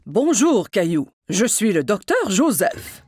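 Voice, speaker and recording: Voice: mid-range voice, very animated, slow pace, darkish tone, a little hiss or hum. An actor playing a friendly, encouraging male dentist in a children's cartoon. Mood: friendly, impressed.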